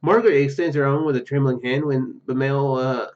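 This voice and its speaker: A man's voice: mid-range voice, brisk, darkish tone, highs cut off. A man hosting a let's play, reading story narration aloud with stumbles and casual asides. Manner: stumbles over words while reading. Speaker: gaming video host.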